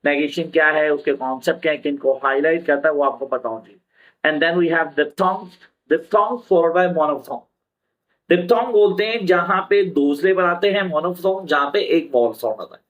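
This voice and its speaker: A man with an Indian English accent giving an exam-prep lesson as a tutor, repeating key terms slowly in English and explaining them quickly in Hindi. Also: a little high, lo-fi sound.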